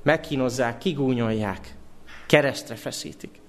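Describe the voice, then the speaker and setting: A male preacher delivers a sermon in a church. He is animated and asks his listeners questions. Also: medium pitch, a little hiss or hum.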